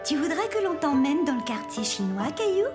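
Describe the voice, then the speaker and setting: A woman's voice: high voice, fairly quick, music in the background. A woman voicing a kindly, welcoming and playful mother in a French children's cartoon. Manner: kindly, animated.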